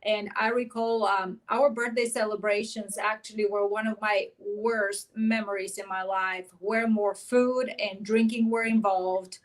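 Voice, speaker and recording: A woman's voice: mid-range voice, steady tone, unhurried, hardly any pauses, low-quality recording. A middle-aged woman from Bulgaria, a guest author and life coach, who tells her personal story with energy and earnestness.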